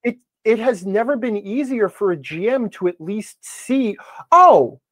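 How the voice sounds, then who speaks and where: Male podcast guest, middle-aged, very lively intonation, assertive debater, dry close sound. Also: high voice, a little slow, no room sound. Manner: assertive, interjecting, questions the other speaker pointedly. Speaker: podcast guest, game-advice blogger. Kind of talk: animated conversational debate.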